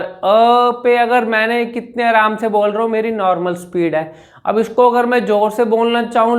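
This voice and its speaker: High-voiced Indian man coaching speech. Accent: Indian Hindi. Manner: slow drawn-out demonstration of vowels, repeats "ठीक है ना". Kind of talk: spoken lesson to camera.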